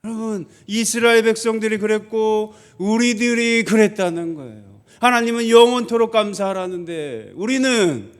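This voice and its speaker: A man's voice: high voice, moderate pace, hardly any pauses. A male pastor preaching a sermon to his congregation, asking rhetorical questions and acting out grumbling children in quoted lines.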